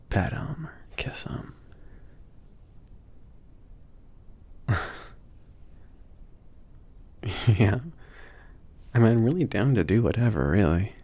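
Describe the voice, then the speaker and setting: A man playing a laid-back, obliging mage shopkeeper in a soft, intimate ASMR roleplay, hesitant and rambling, husky and often near a whisper. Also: fairly low pitch, exaggerated voice. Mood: soft, accommodating. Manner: hesitant, rambling, trailing off with small chuckles.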